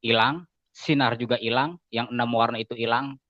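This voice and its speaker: A man giving a casual spoken testimony as an interview guest, telling his story in an animated way and acting out the lines of other people. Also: normal speed, no room sound. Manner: animated storytelling, acting out quoted dialogue with raised pitch. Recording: dull, slightly lo-fi dry sound.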